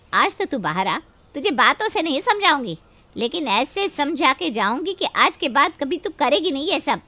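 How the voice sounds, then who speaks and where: A woman playing a loud, quarrelsome neighbor who yells and scolds. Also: high voice, exaggerated voice. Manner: shouting, scolding.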